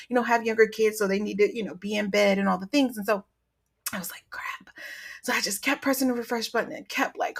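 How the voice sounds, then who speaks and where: A woman in her thirties hosting her own podcast, telling stories in a chatty, animated way with plenty of fillers. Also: mid-range voice. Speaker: podcast host. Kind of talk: casual solo podcast talk.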